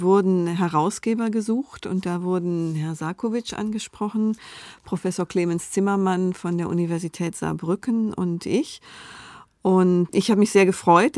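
A woman's voice: on the low side, a little mellow, dry recording. Woman explaining in a dry studio sound. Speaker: book editor, interview guest. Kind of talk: conversational interview explanation.

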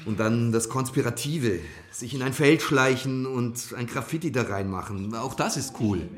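Man playing opinionated eco-activist, radio drama lecturer, wry, explanatory, medium pitch, echoing room. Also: normal speed, close to an everyday voice. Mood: friendly. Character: engaged male environmental activist lecturing youth campers.

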